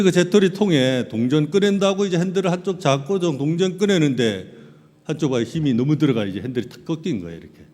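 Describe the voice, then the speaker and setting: A middle-aged male pastor preaching a sermon, telling personal stories in an animated way and acting out scenes. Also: on the high side. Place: large hall at a church camp. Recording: long reverb of a large hall.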